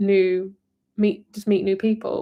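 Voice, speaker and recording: A woman with an English accent at medium pitch, monotone and flat, at a moderate pace against a quiet background. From near London. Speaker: livestream card reader.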